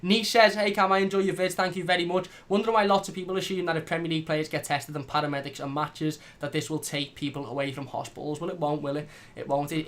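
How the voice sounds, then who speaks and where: A man hosting a fan channel, chatting casually and reading out live comments, blunt and animated. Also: on the high side. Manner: animated, blunt, swears lightly.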